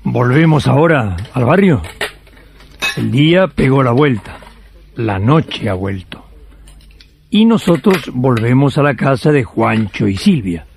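A man's voice: medium pitch, sing-song, unhurried, vocal fry, background noise. A man narrating a radio drama, addressing listeners intimately.

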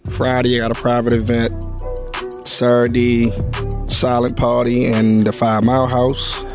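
A man's voice: medium pitch, monotone, unhurried, music in the background. A man in his forties, a guest DJ, speaking modestly in short, laid-back answers. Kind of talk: casual chat.

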